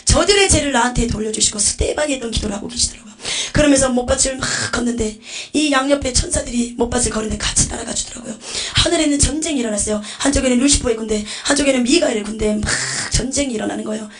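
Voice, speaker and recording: A woman's voice: on the high side, fast talker, hardly any pauses, faint music behind. A woman giving a religious testimony, telling visions in a breathless, vivid way with whispered asides. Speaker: testimony speaker.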